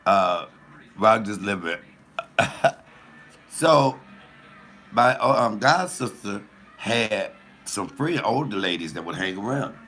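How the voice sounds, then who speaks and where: A man with a deep voice telling a profane, animated comic story in casual storytelling style, laughing at his own jokes. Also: takes it slowly, long pauses. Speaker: comedian host.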